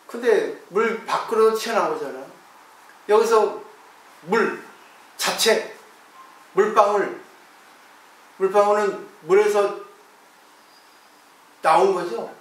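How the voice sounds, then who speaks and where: A man's voice: high-pitched, slow, long pauses, far from the mic. A man, a Buddhist monk, giving a conversational dharma talk and asking his listeners rhetorical questions. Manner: acts out his own replies to disciples. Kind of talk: dharma talk on a Zen text. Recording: very echoey room, voice from off the mic.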